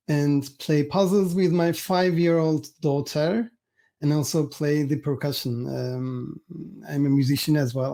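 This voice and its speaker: A man in his forties from Cyprus, a podcast guest giving deliberate, measured interview answers that list points one by one. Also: fairly high pitch, dark tone.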